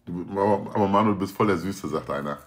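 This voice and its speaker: A man's voice: sits low, fast talker. A young man talking casually to viewers on a livestream, slangy and joking, often swearing oaths. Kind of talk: casual stream chat.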